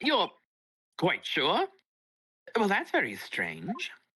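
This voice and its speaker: A man puts on a character voice, breathy and extremely high-pitched. He goes at a very slow pace. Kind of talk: mock-Victorian theatrical speech. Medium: game stream. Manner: pompous, airy, drawn-out musing hums.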